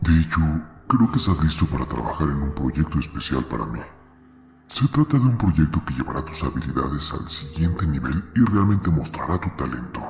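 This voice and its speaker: A man does a put-on character voice, very deep and low, with a menacing tone and lively intonation at a fairly quick pace. He speaks quietly, with a slight echo. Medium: read story. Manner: quiet, cold, menacing.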